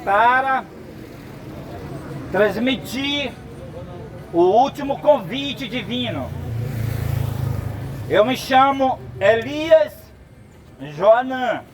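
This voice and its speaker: A man from Brazil giving an open-air sermon, slow and emphatic, sometimes breaking into shouts. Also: extremely high pitch, expressive, noisy background. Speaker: street preacher.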